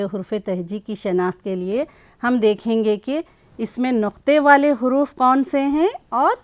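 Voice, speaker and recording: A woman's voice: mid-range voice, no room sound. Patient woman teacher with a dry voice. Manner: explains patiently, asks questions and repeats sounds slowly. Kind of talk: classroom lesson for children.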